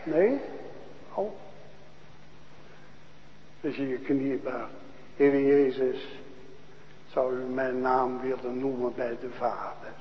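Slow, echoing Dutch-language preacher man. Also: medium pitch, steady tone, dull audio, a little hiss or hum. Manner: slow, questioning, swings from hushed to loud proclaiming. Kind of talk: sermon. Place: church.

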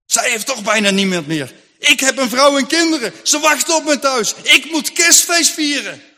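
A man's voice: extremely high pitch, animated, normal speed, pushed and bright, slightly rough, big-room sound, full character voice. A man voicing a desperate, guilt-torn farmer who prays and pleads aloud in a story. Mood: anguished.

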